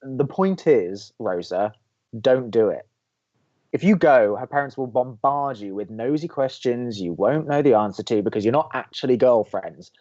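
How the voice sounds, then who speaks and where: A grumpy young college radio host played by a man, cynical and sardonic. His mid-pitched voice delivers dry, exasperated banter in a comedy podcast drama. The recording sounds slightly dull and lo-fi. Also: animated, moderate pace, dark tone, close to an everyday voice. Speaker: actor in a romantic comedy podcast.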